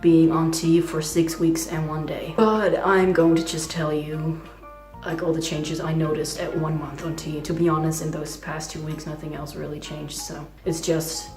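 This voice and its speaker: A young trans man talking in a casual video diary, hesitant and full of fillers, with a fragile voice that sometimes skips between low and high. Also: little pitch movement, normal speed, darkish tone, reverberant, faint music behind. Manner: hesitant, many "like" fillers, nervous laughs. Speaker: vlogger.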